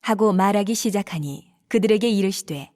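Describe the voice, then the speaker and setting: A woman narrates scripture for an audio Bible drama. Her voice sits in a middle register, and she tells the story in a steady, even manner, keeping the action flowing between the spoken lines. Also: medium pitch, moderate pace.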